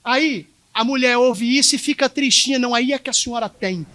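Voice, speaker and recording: Preaching with a Minas Gerais accent, a male pastor talks directly to his congregation, emphatic and repetitive. The voice is extremely high, brisk, and sharp, with a little hiss or hum in the recording.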